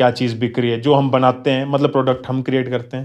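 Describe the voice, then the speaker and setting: A man speaks at a medium pitch with monotone, flat intonation. The background is quiet. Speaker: radio jockey. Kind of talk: interview answer.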